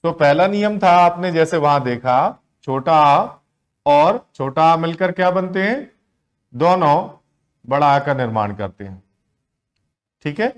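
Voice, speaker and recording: A man's voice: a little high, animated, clean tone. Man teaching, asking and answering himself. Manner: asks the class questions and answers them himself, drawn-out words. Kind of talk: exam-prep grammar lesson.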